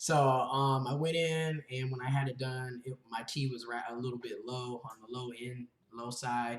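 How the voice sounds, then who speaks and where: The man's voice is somewhat breathy and medium-pitched. His intonation is fairly even. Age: 20s. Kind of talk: casual vlog. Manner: halting, many fillers.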